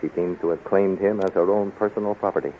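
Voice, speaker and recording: A man's voice: low voice, fairly even intonation, fast, close to an everyday voice. An actor playing a loyal Hawkman captain in a 1930s radio serial, firm, formal and consoling. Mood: resolute. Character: loyal, resolute Hawkman captain, reassuring soldier. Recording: scratchy, tinny 1930s radio recording.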